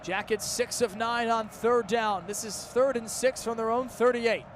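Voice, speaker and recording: A man in his twenties with an American accent calling live football on radio as play-by-play announcer, in crisp, detail-packed phrases. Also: very high-pitched, fairly even intonation, a little slow, slight background noise. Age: 20s.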